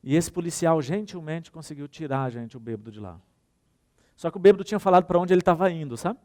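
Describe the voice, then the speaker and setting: A man's voice: fairly high pitch, fast talker. A man with a Brazilian Portuguese accent giving a workshop talk, telling anecdotes, acting out the dialogue and speaking straight to his audience. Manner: animated storytelling, acts out dialogue; addresses audience directly.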